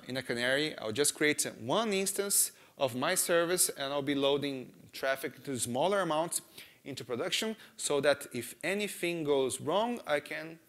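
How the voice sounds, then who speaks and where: A man in his thirties with a Brazilian Portuguese accent, speaking English as a second language. His voice sits slightly high. He runs a conference breakout talk on stage through a close mic, animated and full of "uh" and "right?". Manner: animated, gestures a lot, frequent "right?" and "uh" fillers. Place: large conference hall stage.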